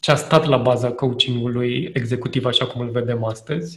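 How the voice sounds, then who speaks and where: A man speaks at a medium pitch in a somewhat breathy voice. His intonation is fairly even, and there is audible room echo. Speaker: corporate trainer and coach. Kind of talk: interview.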